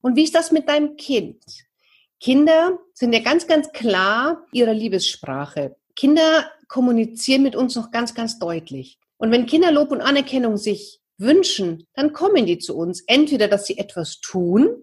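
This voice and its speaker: A woman's voice: fairly high pitch, very animated, normal speed, breathy edge. A woman in her thirties giving a talk to parents, addressing the listener directly with many questions. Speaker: parenting coach. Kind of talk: talk on love languages for parents.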